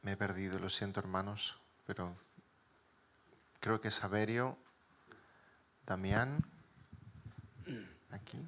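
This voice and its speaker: Low-voiced moderator calling on the audience. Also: male voice, steady tone, slow pace, long pauses, a bit bright, slight background noise. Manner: brief, apologetic, directing questions. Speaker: panel moderator. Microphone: handheld mic.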